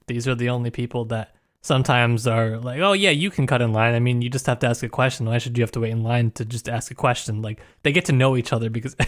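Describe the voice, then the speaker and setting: Casual, joking man with mid-range voice. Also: medium pitch. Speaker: podcast co-host. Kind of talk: casual book discussion chat.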